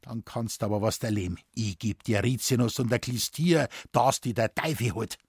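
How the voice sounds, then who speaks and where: A gruff, sharp-tongued village doctor with a Bavarian accent, as a male narrator plays him. His voice is husky and dry, blunt and teasing in broad dialect. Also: mid-range voice, moderate pace, no echo. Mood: scolding.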